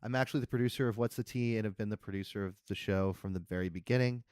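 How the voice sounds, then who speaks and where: A man's voice: lowish voice, very fast, darkish tone, smooth, no echo, clean studio sound. A man explaining things casually as a podcast producer and guest, with informal phrasing. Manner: informal, peppered with "like".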